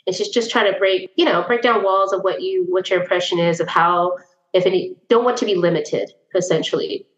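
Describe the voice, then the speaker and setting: A woman's voice: fairly low pitch, a little fast. A woman co-hosting a book podcast, talking casually and chattily, laughing often and swearing now and then. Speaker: podcast co-host. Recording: echoey room, dull lo-fi sound.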